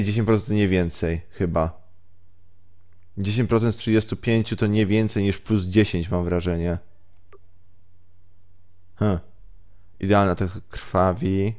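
Low-voiced man doing gameplay commentary. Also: a little mellow. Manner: muttering, sweary, slips into English. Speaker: let's play host. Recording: game music behind.

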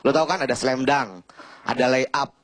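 A man's voice: medium pitch, moderate pace, no echo. A man doing a stand-up comedy set, teasing the audience in slangy talk. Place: stage before a live studio audience.

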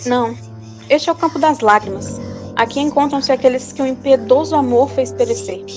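A woman's voice: high-pitched, fairly quick, natural voice. Woman acting a solemn Brazilian prophetess, music behind. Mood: grave. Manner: solemn, declamatory.

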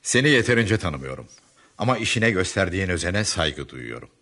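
An actor playing an earnest, cautious hospital doctor in a radio drama, speaking in a measured, matter-of-fact way. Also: male voice, deep voice, sing-song, pushed and bright, heavily acted. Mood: calm, informative. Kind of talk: Turkish radio drama acting.

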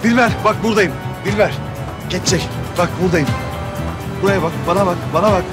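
A doctor in a hospital drama pleads and soothes with mounting urgency, as a man plays him. His voice sits high for a man and strains upward, and dramatic music plays behind him. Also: a little fast, lightly acted. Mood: soothing. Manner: urgent, pleading, trying to calm a patient. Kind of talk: Arabic-dubbed hospital drama.

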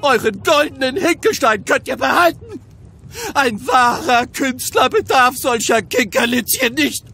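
A man's voice: very high voice, sing-song, measured pace, creaky, bright, forceful tone, full character voice. A man playing a vain, easily offended Gaulish bard in a comic cartoon radio play, grandiose and flowery. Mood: haughty, hurt.

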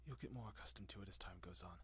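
A centuries-old vampire, acted by a man, speaks in a fairly low, husky voice. He is refined and courteous, coaxing softly with lingering pauses. The tone is doting and possessive, in the style of intimate roleplay audio. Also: heavily acted. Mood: tender, indulgent.

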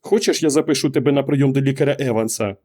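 A man's voice: mid-range voice, rapid-fire, darkish tone, natural voice. A man reading an audiobook, raising his voice to play an anxious, exasperated wife who keeps pressing her husband with questions. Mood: pleading. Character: anxious middle-aged wife, exasperated and pleading. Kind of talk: audiobook character voice.

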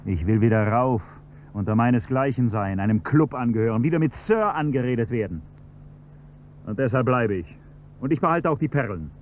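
A man plays a fallen gentleman turned chauffeur who blackmails his employer's wife in a radio play, his tone sneering and insolent. He speaks at a mid pitch. The recording sounds dull, with a faint hum. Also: lively intonation, moderate pace, lightly acted.

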